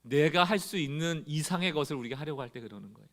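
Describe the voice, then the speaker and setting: A man preaching a Sunday sermon as pastor, speaking straight to his congregation and acting out quoted complaints in a loud, rising voice. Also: fairly high pitch, fast.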